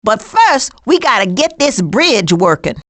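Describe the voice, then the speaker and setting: Casting: streetwise female skunk for animated game, American, sassy and punchy, high register, very lively intonation. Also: measured pace, full character voice. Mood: wry, sassy. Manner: sassy, slangy, emphatic delivery. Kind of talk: animated video game voice lines.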